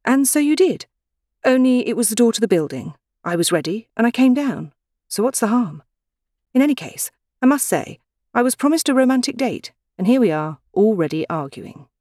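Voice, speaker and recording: A woman's voice: sing-song, moderate pace, no room sound, clean studio sound. A woman voicing a spirited, anxious young woman who talks in a raised, exasperated way, in an audiobook. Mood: brisk. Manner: exasperated, higher and brighter than the narration.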